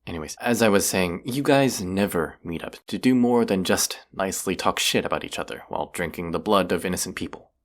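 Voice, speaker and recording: A man playing a cocky, self-deprecating young vampire hunter in a roleplay audio, with a gravelly, teasing, casually sarcastic delivery. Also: low-pitched, expressive, fairly quick, few pauses. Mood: teasing, defiant.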